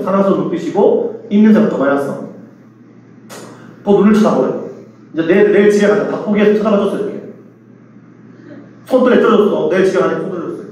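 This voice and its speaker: Man, pastor, animated sermon storytelling, mimics voices, distant mic, very echoey hall, faint room hum. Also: high-pitched. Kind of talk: sermon to a youth retreat. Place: large church hall.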